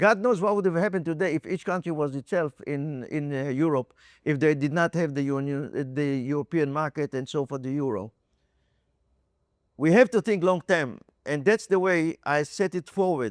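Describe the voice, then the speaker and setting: At a moderate pace and with ordinary pitch variation, the speaker has a non-native accent, the sound dry and close with no echo on a very clean recording with a silent background. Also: man, fairly high pitch for a man. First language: not English. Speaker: real estate developer and business founder. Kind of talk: panel talk. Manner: halting.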